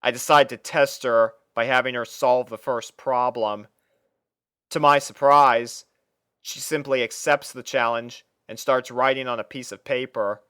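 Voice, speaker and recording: A man's voice: medium pitch, fairly even intonation, a little slow, pushed and bright, clean tone, dry recording, clean studio sound. A man reading a first-person fan fiction story as narrator, dramatising the character's thoughts.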